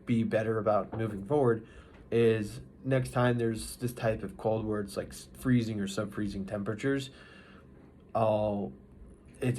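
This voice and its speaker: A man giving a casual, unscripted vlog recap, speaking in a halting, rambling way with mid-thought restarts. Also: fairly low pitch, darkish tone. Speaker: vlogger. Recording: noisy ambient background.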